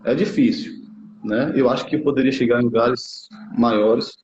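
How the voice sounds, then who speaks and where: Brief: man in his 30s from Brazil, former player now coaching, halting casual interview talk, dull lo-fi recording. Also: medium pitch, steady tone, a little mellow, a little hiss or hum. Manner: halting, many restarts and tag questions. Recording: muffled lo-fi sound.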